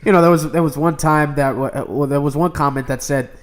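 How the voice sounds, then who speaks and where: A man's voice: fairly high pitch, steady tone. A young man from New York City co-hosting a casual gaming podcast, chatting with lots of filler words and restarts. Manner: fast, loose talk with filler and restarts. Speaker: podcast co-host. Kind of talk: casual chat.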